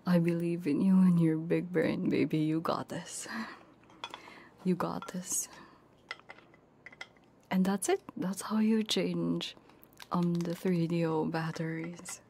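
Woman, whispered ASMR livestream, slightly low creaky voice, sick with a cold, unhurried, close binaural mic. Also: fairly even intonation, a little hiss or hum. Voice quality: breathy whisper. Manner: soft, hushed, unhurried. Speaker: ASMR streamer and host. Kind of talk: ASMR, casual livestream chat. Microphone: close binaural ear microphone.

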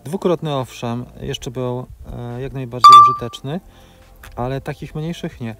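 Loud music plays behind this man's unhurried, medium-pitched voice. In his forties and a drone video creator, he gives step-by-step practical guidance while piloting a drone across open grassland, filling gaps between phrases with filler sounds.

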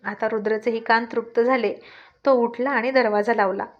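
A woman storyteller reading a love story aloud in an even storytelling manner. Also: fairly high pitch, moderate pace. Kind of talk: storybook narration. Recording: dull lo-fi recording.

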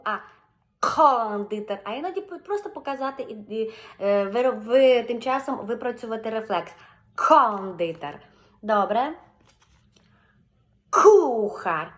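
A woman with a Ukrainian accent, a speech therapist teaching a video lesson and slowly drawing out sample syllables and words. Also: fairly high pitch, fairly bright tone. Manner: slow, drawn-out modeling of syllables and words.

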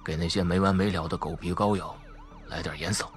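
A man's voice: deep voice, fairly even intonation, a little fast, voice pushed down, natural voice. A man playing a stony, unflappable middle-aged crime boss in an audiobook, curt and cold.

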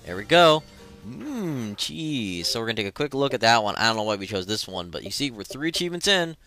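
A man's voice: mid-range voice, big pitch swings, fairly quick, sharp tone. A man giving a casual, irreverent, joking walkthrough commentary as host of a game video. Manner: irreverent, jokey interjections. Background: game music.

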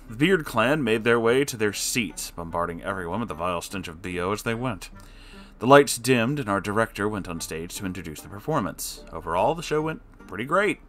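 A man reads an online story out loud as a story reader, tossing sarcastic asides to the listener. His lively voice is lowish and swings between loud and quiet.

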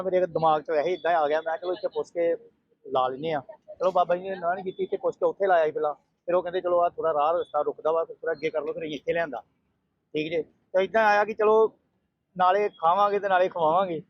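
A man's voice: fairly high pitch, fairly even intonation, fast, dry recording, lo-fi sound. A man who runs a family food stall, speaking in an earnest, repetitive way in a casual interview. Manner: earnest, repeats himself.

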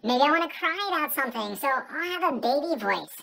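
A man speaking through a voice changer that shifts him up into a squeaky helium or baby voice. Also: animated, fairly quick, gravelly, exaggerated voice. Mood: silly. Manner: squeaky, high-pitched. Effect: software voice changer, high pitch shift.

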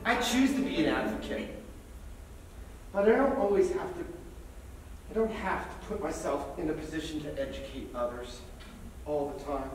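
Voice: medium pitch, expressive, normal speed, pauses often, a little hiss or hum, lightly acted. An actor playing a weary, earnest trans woman advocate in a staged monologue. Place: large theater stage, recorded from afar. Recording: echoey theater, distant mic, music behind.

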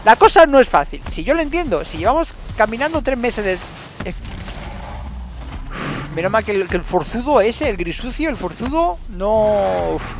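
A man commentates gameplay with a high, gravelly voice, swinging widely between low mutters and excited calls. He repeats words in rapid bursts and talks to himself, over faint game noise. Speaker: gaming YouTuber.

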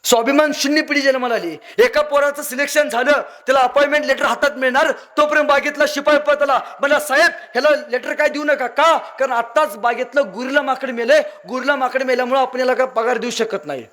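A man's voice: extremely high pitch, fairly even intonation, fast talker, few pauses, sharp tone. A young man from Maharashtra, giving a motivational speech full of acted-out stories and emotional swings. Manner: dramatic, acts out voices in anecdotes, emotional swings. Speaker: motivational speaker.

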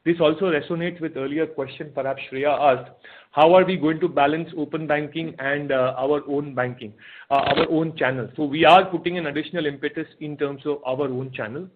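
A man with an Indian accent answering questions as an executive on an earnings call, speaking haltingly and repeating his phrases. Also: a little high, steady tone, a little hiss or hum. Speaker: company executive answering analysts. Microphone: telephone conference call. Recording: narrow, tinny phone conference line.

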